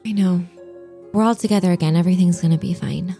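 A woman player speaking in character, calm and reassuring. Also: lowish voice, quick pace, creaky, faint music behind. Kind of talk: in-character role-play.

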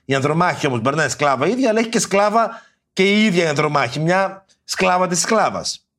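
The host of this ancient-tragedy podcast has a high, animated voice with a fairly bright tone. Framing it as a casual storytelling lesson, he narrates in a relaxed way, drops slangy mock-indignant asides, and performs verse quotes in theatrical voices.

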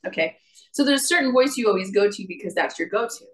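A middle-aged woman talks as a guest about using your voice, with a mid-range pitch. She is animated and often jumps into higher playful voices to make a point. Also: quick pace, low-quality recording. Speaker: singer and vocal coach, guest. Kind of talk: conversational interview.

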